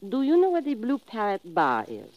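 Poised seductive foreign lady, animated pitch. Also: no echo. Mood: secretive, composed. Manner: formal, deliberate, no contractions. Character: poised, seductive foreign woman, mysterious newspaper reporter. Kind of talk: 1950s radio drama acting. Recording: muffled old radio recording.

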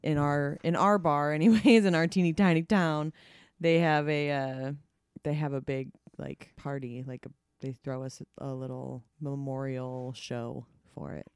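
A woman from Minnesota co-hosting a casual podcast, husky and a bit scratchy today, rambling with lots of fillers. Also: sits low, steady tone, unhurried, darkish tone, dry recording, clean studio sound. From Minnesota, United States. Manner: rambling, explains with many fillers. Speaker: podcast co-host. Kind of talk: casual chat.

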